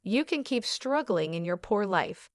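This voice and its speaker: A woman reads the part of a smug young ex-husband in a storybook tale, sneering and gloating as he boasts. The sound is dry and close, with no room around it. Her pitch sits in a middle range. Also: animated, a little slow, dry recording.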